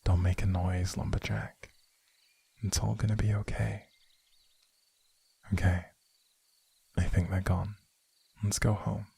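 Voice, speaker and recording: In earnest dramatic roleplay audio, a man voices an outlawed prince who leads gently and protectively. His deep, husky, breathy voice stays level in a full character performance, with old-fashioned, measured phrasing and a hushed, reassuring mood.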